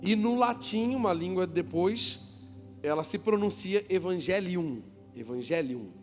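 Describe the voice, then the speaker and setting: A man with a high voice preaches to a congregation in a church, joking with the crowd, asking them questions and calling for applause. His voice rings out with a long reverb in the church hall. Soft music plays underneath. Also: animated, unhurried. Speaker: pastor. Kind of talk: lively sermon to a congregation.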